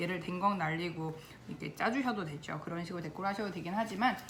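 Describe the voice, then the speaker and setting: Both audible room echo and noticeable background noise surround a woman's voice. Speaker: baking instructor and cookbook author. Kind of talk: tutorial. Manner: fast.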